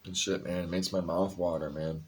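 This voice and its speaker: Deep-voiced man rambling tiredly. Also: level tone, normal speed, a little hiss or hum. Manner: rambling, confessional, curses freely. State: tired, a bit high. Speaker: vlogger. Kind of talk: casual personal vlog talk.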